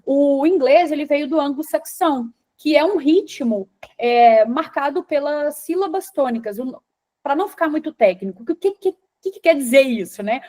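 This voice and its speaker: A woman's voice: sits high, animated, normal speed, dark tone. A Brazilian woman with a Brazilian Portuguese accent, an English teacher and engineer, answering interview questions in a confident, teacherly way that builds points as lists.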